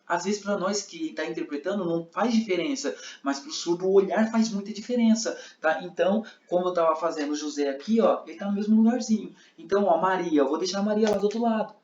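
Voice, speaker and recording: Guy teaching an interpreting class, kinda high voice, keeps checking in with the class, echoey room. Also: fast talker, hardly any pauses, darkish tone, muffled recording. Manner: explains with many checks like "tá?" and demonstrates lines aloud. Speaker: sign language interpreting teacher.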